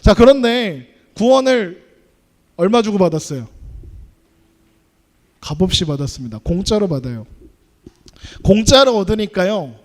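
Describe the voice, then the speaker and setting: A man's voice: high voice, sing-song, a little slow, long pauses. A young adult man preaching a youth sermon in a conversational way, often putting questions to his listeners. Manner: conversational, asks the audience questions.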